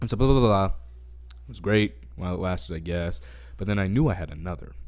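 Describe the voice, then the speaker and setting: Very fast speech from a man with a very deep, low pitch and vocal fry, plus audible room echo. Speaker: podcast host. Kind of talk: casual chat.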